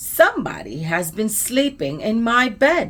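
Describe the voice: A loud, growling put-on character voice from a female-sounding speaker, pitched fairly high for a woman. Her pitch swings very widely at a fairly slow pace.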